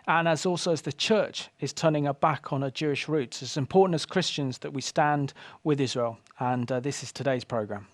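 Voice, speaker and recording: A man hosting a talk program, presenting in a measured, earnest way and questioning his guest. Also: fairly high pitch. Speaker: program host. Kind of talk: presenting and interviewing.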